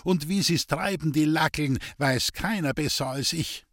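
A man's voice: fairly high pitch, unhurried, fairly bright tone, no echo, clean studio sound. A man voicing an earnest, coaxing village priest speaking in Bavarian dialect in a storybook reading.

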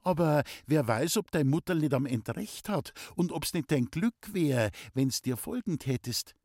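A man's voice: a little high, animated, measured pace, a little mellow, no echo, studio quality, voice pushed up. A man voicing a shy young village girl, talking hastily and stammering. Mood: eager. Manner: hasty, stammering.

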